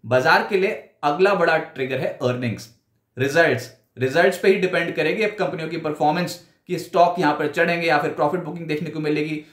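A man in his forties anchoring a stock market roundup, talking briskly and with emphasis. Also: on the high side, roomy sound. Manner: brisk, emphatic delivery with hand gestures. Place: indoor studio before a branded backdrop.

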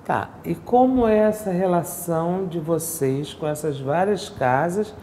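A woman's voice: lowish voice, unhurried, mellow. A middle-aged woman interviewing a religious leader, asking short, prompting questions. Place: indoor temple room with altar. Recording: echoey room with faint hiss.

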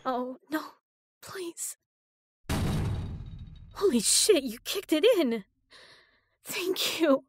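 A young woman performing an intimate audio drama as a frightened prisoner, speaking softly and often in a whisper. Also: sits high, expressive, drawn-out words, pauses often, noisy background. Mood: panicked. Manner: soft, breathy, often whispered.

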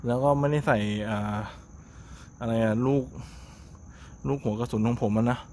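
A chatty man talks casually to camera by a roadside at night, exclaiming now and then. His voice sits at an ordinary middle pitch. Passing traffic and engine noise sound clearly behind him on the camera audio. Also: steady tone, mellow. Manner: chatty, exclaims often, drawn-out asides. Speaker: motorcycle vlogger. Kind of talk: casual vlog commentary. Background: passing cars and engine noise.

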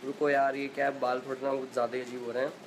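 A man's voice: medium pitch, little pitch movement, rapid-fire, slight background noise, rough recording. A young man hosting a casual live chat from home, reading viewer comments into his phone and chatting back with easy laughs. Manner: chatty, laughs easily, uses filler 'matlab' and 'yaar'. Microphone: phone in selfie view.

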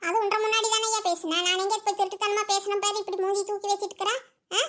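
A woman's voice: very high-pitched, flat delivery, fast talker, fairly bright tone. A woman voicing a chatty young village wife in a cartoon, with a Kongu Tamil accent and a sing-song, pleading way of talking. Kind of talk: cartoon voice acting.

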